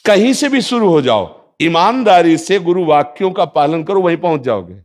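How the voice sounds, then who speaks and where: A man giving a calm spiritual discourse, reciting Sanskrit verses and affirming listeners often. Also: fairly high pitch, moderate pace. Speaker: spiritual teacher.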